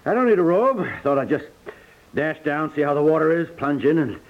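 A stubborn American husband from a 1950s radio comedy. He stammers and repeats himself, shivering with cold, in a very animated voice. The recording is dull and lo-fi. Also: on the high side, brisk. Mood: blustery, shivering. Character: stubborn, shivering husband putting on brave face.

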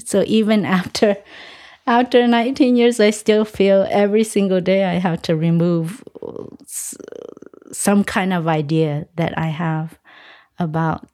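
A woman, a nun, talking reflectively as a guest in a gentle, thoughtful, hesitant way. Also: lowish voice. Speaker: Buddhist nun, podcast guest. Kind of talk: reflective conversational talk.

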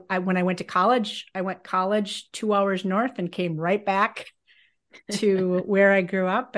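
A woman in her fifties from Minnesota with a Minnesota accent, chatting casually as a podcast guest, laughing often and restarting phrases. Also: mid-range voice. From Minnesota, USA. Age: 50s. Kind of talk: casual interview conversation.

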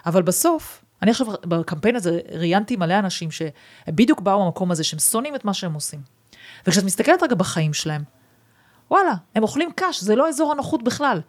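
A woman hosting a casual podcast interview, talking emphatically and expressively, with her pitch jumping when she makes a point. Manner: emphatic, expressive, pushes opinions with big pitch jumps. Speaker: podcast host.

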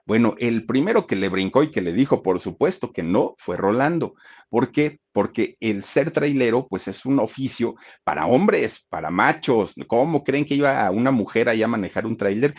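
A man with a Mexican accent narrating a story in a casual, animated way, often asking rhetorical questions. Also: medium pitch, normal speed, husky, muffled recording. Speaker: storyteller host.

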